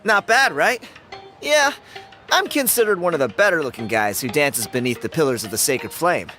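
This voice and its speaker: A man's voice: on the high side, normal speed. A young man voicing a boastful, chatty tribal dancer in a video game, laughing at his own charm. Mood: cocky, delighted. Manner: boastful, laughing, very lively delivery. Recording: game audio with faint music.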